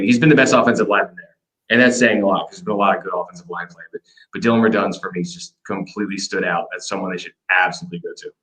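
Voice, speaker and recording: A man talks football prospects at a brisk clip, his voice sitting a little low. He runs through players with energy in a casual, conversational podcast style. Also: rough recording. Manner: quick, energetic breakdown of players. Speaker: podcast co-host. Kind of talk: casual sports analysis. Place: hotel room.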